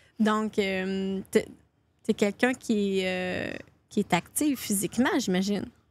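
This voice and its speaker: A woman speaks at a very slow pace with long, frequent pauses, in a medium pitch with ordinary pitch variation. The recording is very clean with a silent background, and the sound is dry and close with no echo. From Quebec, La Tuque. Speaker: podcast host, newcomer integration coordinator. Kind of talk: casual interview. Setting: outdoors by a lake. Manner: slow, hesitant with many fillers.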